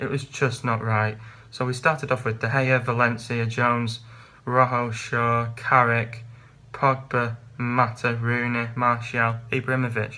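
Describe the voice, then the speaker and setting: Loud man with a British accent, medium pitch, bright, sharp tone and monotone, flat intonation. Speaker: football vlogger. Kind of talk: casual vlog commentary. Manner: halting.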